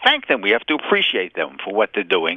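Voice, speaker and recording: A man speaks with an American accent. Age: 60s. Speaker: war veteran. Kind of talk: interview.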